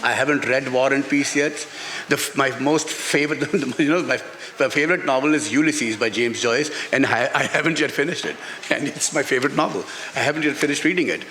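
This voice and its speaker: A Pakistani-accented man speaking off the cuff as an author at a book talk, halting and repeating phrases for emphasis. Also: medium pitch, bright, forceful tone. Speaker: author and playwright being interviewed. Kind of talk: unscripted talk on stage at a book event. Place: festival stage before an audience. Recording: hall reverb, faint background noise.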